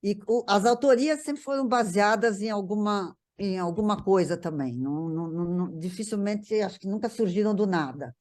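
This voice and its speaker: A Brazilian woman appears as a panel guest, casually recalling a TV writer's work. Her mid-range voice has a slightly dark tone, and she speaks haltingly, repeating words as she searches for the right phrasing.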